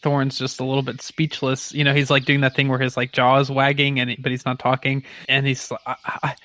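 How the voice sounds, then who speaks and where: A man's voice: mid-range voice, monotone, a little fast, a bit bright. A man chatting and narrating casually as a player in a tabletop game, informal and a little hesitant.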